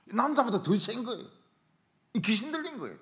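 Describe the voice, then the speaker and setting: Animated pastor with a southeastern lilt. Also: male voice, very high-pitched, a little fast. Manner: animated storytelling, acts out shouted quotes. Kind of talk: revival sermon. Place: church sanctuary.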